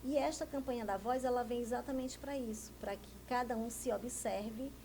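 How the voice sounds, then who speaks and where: A Brazilian woman with a somewhat high voice answers interview questions as a speech therapist. She explains things carefully and keeps posing questions she answers herself. A faint noise sits under her voice. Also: moderate pace, warm tone, rough recording. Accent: Brazilian Portuguese. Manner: didactic, asks and answers her own questions. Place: TV news studio.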